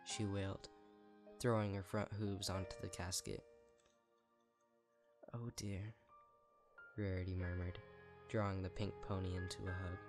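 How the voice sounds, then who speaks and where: A man with a low-pitched voice narrates a scripted story. Soft music plays faintly behind his reading. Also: level tone, normal speed. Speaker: fan fiction reader.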